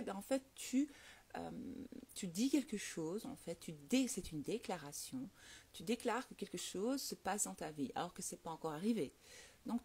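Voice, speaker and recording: A woman with a French accent, an adult with children, hosts a casual live stream on the law of attraction and answers viewer comments. Her medium-pitched voice has a breathy edge, and she is lively, laughs often and fills her talk with little hesitations.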